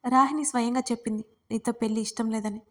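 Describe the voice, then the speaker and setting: A woman's voice: fairly high pitch, fairly even intonation, fast, close to an everyday voice. A woman voicing a sorrowful, worried middle-aged mother in a storybook reading. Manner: sorrowful, gentle.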